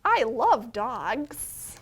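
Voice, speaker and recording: Woman, children's librarian. High voice, simple child-directed talk, storytime read-aloud with drawn-out emphasis. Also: big pitch swings, husky. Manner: simple explanations, questions and invitations addressed to young children.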